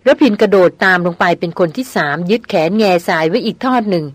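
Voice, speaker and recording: A woman's voice: medium pitch, fast talker, no room sound. Woman reading a story aloud, dry sound. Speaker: audiobook narrator. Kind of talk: scripted narration of a novel.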